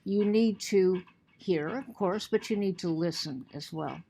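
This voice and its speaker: A woman's voice: on the low side, unhurried, warm tone, a little hiss or hum. A woman teacher giving a recorded lecture to her students, earnest, often repeating and restarting words, and she has the hiccups.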